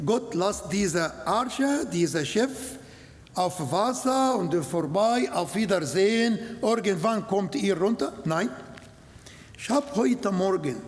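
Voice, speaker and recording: High-voiced Arabic-speaking man preaching slowly. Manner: slow, halting German with non-native grammar. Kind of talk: sermon. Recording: long hall reverb.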